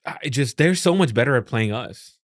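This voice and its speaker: A man's voice: mid-range voice, animated, no room sound, studio quality. A man hosting a comedy podcast, chatting casually with lots of laughter and profanity. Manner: laughing, profane, quick banter. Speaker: podcast host.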